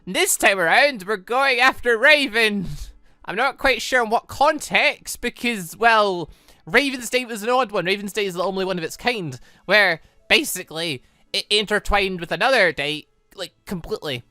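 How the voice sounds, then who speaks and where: A man's voice: sits high, normal speed, bright, forceful tone, no echo. A man hosting a gaming series with casual let's-play commentary, rambling and hesitant as he thinks aloud.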